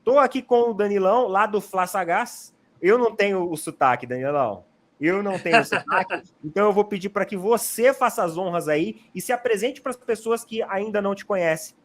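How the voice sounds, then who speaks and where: A man's voice: high voice, brisk. A man hosting a casual football chat, talking at length and often tagging his sentences with fillers. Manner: chatty, explains at length with many "né" fillers. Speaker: channel host, Palmeiras fan.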